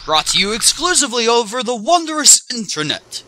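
A man's voice: extremely high pitch, sing-song, fairly quick, background noise. A man playing a pompous, theatrical announcer in a parody promotional spot. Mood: grandiose. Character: grandiose male announcer hawking the wonders of sound.

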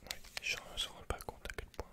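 In a breathy ASMR roleplay, a young adult man with a French accent plays an awkward, introverted computer shop keeper, whispering softly and hesitantly in halting bursts. He is indoors against a dark backdrop, recorded on a close microphone.

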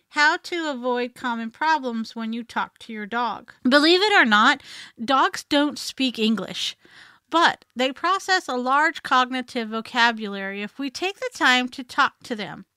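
On a close studio mic, a woman podcast host reads scripted tips in an instructive way, voicing the commands to demonstrate them. Her voice is high, sharp and smooth, with no room sound.

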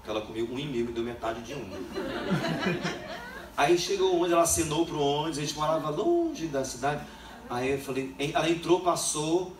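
High-voiced man preaching in echoey hall. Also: sing-song, moderate pace, background noise. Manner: humorous storytelling, acts out quoted voices. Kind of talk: sermon with personal story. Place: church hall. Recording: echoey church hall, distant mic.

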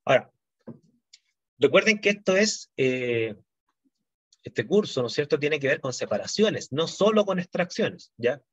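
A middle-aged man teaching university chemistry online, walking through ideas patiently and checking often that his students follow. His voice sits a little high for a man. The sound is dry and somewhat muffled, like a computer microphone on a video call. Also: sing-song, measured pace, pauses often, fairly bright tone, husky, no echo. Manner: explanatory, frequent "¿no es cierto?" and "¿ya?" check-ins.

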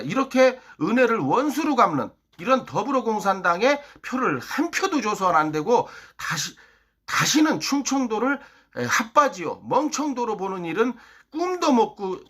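Heated man with a lively pitch. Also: moderate pace. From Chungcheong, South Korea. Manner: heated, hectoring, fires rhetorical questions. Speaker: political YouTuber. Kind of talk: ranting political monologue.

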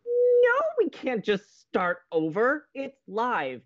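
A playful young college radio co-host in an audio drama, teasing and mischievous. His pitch swoops around dramatically from phrase to phrase. The audio is a touch dull. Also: huge pitch swings, slow pace, full character voice. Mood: hurt, firm. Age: young adult. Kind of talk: audio drama acting, light banter.

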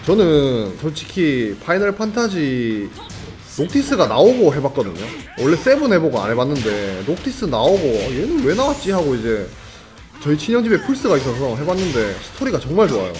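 A young man calls a fighting game match live, his pitch leaping around as he reacts to each hit and chats with the viewers. His voice sits a little high for a man, and faint game music plays behind him. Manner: excitable, chatty, jokes with viewers, quick reactions. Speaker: esports commentator.

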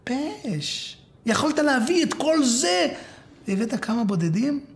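A man voicing a shrill, scolding merchant's wife in a high falsetto, exclaiming in a told story. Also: sing-song, vocal fry, exaggerated voice. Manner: exclaiming and scolding, loud and rapid.

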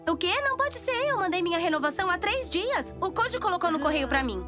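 Brisk young rescue pilot, brazilian cartoon dub, really high bright voice. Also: female voice, sing-song, soft background music, full character voice. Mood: brisk, annoyed. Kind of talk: animated series dub acting.

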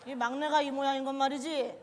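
A man's voice: extremely high pitch, steady tone, fast, big-room sound, background noise. A man playing a bossy army sergeant in a stage comedy sketch, barking orders and breaking into laughter. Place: large studio stage with audience.

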